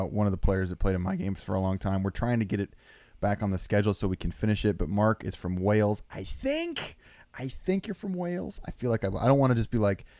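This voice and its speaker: A man hosting a podcast, talking quickly and hesitantly while reading out viewer comments. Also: on the low side, darkish tone, dry recording. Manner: quick, hesitant, reads chat aloud. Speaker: podcast host. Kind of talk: casual chat.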